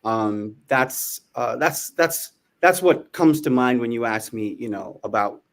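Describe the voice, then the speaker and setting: A man's voice: medium pitch, a little slow, creaky. A middle-aged man from New York, born in Jamaica, talking casually and reflectively as an interview guest. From born in Jamaica, raised in New York from age four. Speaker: interview guest, former news anchor.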